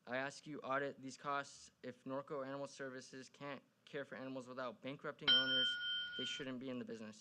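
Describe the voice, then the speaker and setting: A man's voice: medium pitch, level tone, a little fast, very noisy. A man reading prepared public remarks to a council in a pointed, critical, argumentative way. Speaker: public commenter at a city council meeting. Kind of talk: prepared speech, read out.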